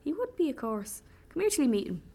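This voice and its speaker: A woman voicing a cheeky young Irish man who talks in a lively, teasing, slangy way. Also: high voice, fast talker, pitched above the performer's own voice. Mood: cheerful.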